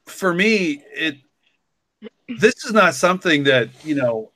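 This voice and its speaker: A man's voice: a little high, sing-song, takes it slowly, sharp tone. A man talking casually and reflectively, rambling with lots of "like" and "you know". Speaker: podcast co-creator and story author.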